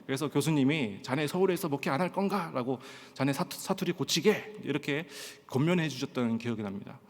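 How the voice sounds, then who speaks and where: A male pastor from Pohang in South Korea, telling stories in a sermon at a Friday prayer meeting and often filling pauses with a short "yes". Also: medium pitch, animated. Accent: standard Korean, trained out of Gyeongsang dialect. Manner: storytelling with frequent "예" fillers and acted-out quotes. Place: church sanctuary. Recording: long church-hall reverb.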